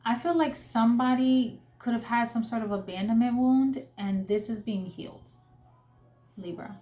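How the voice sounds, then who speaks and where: A woman's voice: fairly high pitch, moderate pace, warm tone, echoey room, soft background music. A young adult woman giving a casual spoken tarot reading, earnest and emotional, with many fillers and restarts. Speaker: tarot reader.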